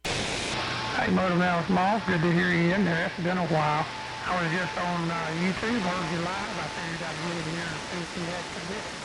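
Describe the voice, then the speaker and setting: A man's voice: fairly even intonation, normal speed. A man from Alabama calling in on a mistuned sideband radio that shifts his voice up, friendly and hailing with call signs. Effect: mistuned sideband radio, pitch shifted up. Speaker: radio caller. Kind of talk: casual radio chat. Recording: faint distant radio signal with crowd noise.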